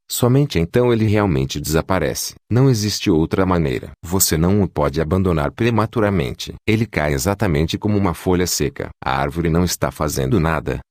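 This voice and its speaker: A man reading a spiritual discourse aloud in a slow, measured, instructive way. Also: low-pitched, a little mellow, no echo, studio quality.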